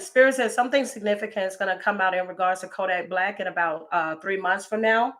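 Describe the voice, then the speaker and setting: A woman with a slightly raspy voice, chatting through a tarot reading for her viewers with exclamations and asides. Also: medium pitch, a bit bright. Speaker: tarot reader.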